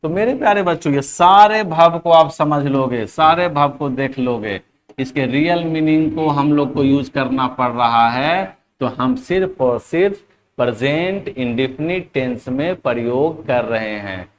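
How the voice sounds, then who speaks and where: Explaining in Hindi, a fairly high-pitched man teaches English grammar in a classroom lesson. He dictates example sentences slowly and often calls his students "children".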